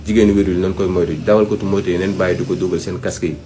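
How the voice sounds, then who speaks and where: Low-voiced Senegalese man, emphatic advice talk. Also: little pitch movement, very fast, dark tone, slight background noise. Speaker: speaker giving health advice. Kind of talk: informal advisory talk, Wolof mixed with French.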